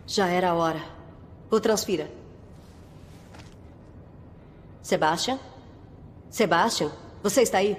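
A woman with a Brazilian accent playing a composed, caring agent, measured and earnest, in a dramatic video game. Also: lowish voice, slight background noise, lightly acted. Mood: urgent. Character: composed, caring female agent guiding a partner.

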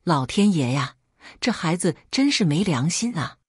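A woman's voice: very animated, normal speed, husky, no room sound, studio quality. A woman reading the lines of a domineering older mother-in-law who wails and accuses. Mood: accusing. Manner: shrill, accusing.

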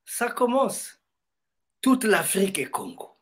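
A man's voice: high voice, big pitch swings, takes it slowly, a bit bright, husky. A man hosting a video conversation, interjecting with short, repeated assertions. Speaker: host. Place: video call.

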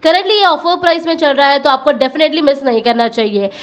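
An Indian woman vlogger reviews a salon in a scripted voice-over, mixing Hindi and English phrases. Her voice is high-pitched and fairly quick, and the audio sounds dull.

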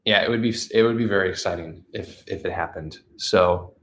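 Brief: stuffed-up man in his 30s with a lowish voice, chatty livestream host at home on the couch. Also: a little fast, fairly bright tone. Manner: chatty, upbeat, reads out viewer messages. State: stuffed-up nose from allergies. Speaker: channel host. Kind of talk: casual livestream chat. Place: living room with a couch, indoors. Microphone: camera facing him at close range.

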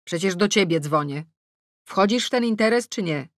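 A narrator putting on a brisk, pushy woman friend. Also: medium pitch, lively intonation, no room sound, clean studio sound, voice pushed up, close to an everyday voice. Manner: insistent, impatient, businesslike.

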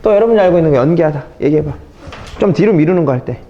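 A middle-aged man teaching English vocabulary in a lively classroom lecture, mixing English phrases into his explanations and talking to his students as kids. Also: on the high side, racing, muffled recording. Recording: echoey classroom with faint noise.

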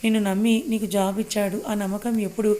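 A woman voicing a guarded young married woman who speaks in a sharp, reproachful way, read as part of a told story. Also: medium pitch, flat delivery, fast talker, lightly acted.

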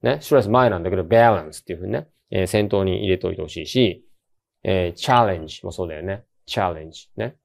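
A man's voice: deep voice, quick pace, gravelly. A man teaching English pronunciation in a casual online lecture, chatting and asking the viewer questions as he models words aloud. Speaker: English teacher for university entrance exams.

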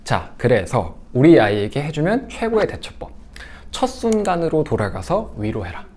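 A man giving a lecture to parents as a sex education instructor, talking in an animated way and often acting out quoted lines. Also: a little high, moderate pace.

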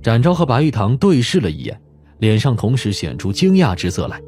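A man's voice: mid-range voice, sing-song, fairly quick, a little mellow. A man reading a detective audiobook as a scripted narration. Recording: music behind the voice.

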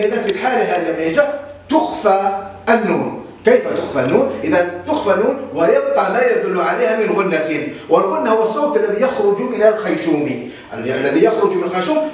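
A male teacher giving a Quran recitation lesson, patiently repeating words slowly for his pupils. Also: high-pitched. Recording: echoey room, distant mic, faint hiss.

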